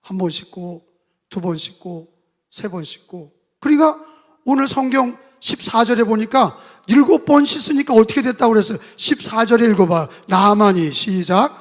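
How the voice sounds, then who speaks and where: A man preaching a sermon as pastor, telling the story dramatically and acting out the voices, his volume swinging from loud to soft. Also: high-pitched, lively intonation, normal speed. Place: church sanctuary. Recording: long hall reverb.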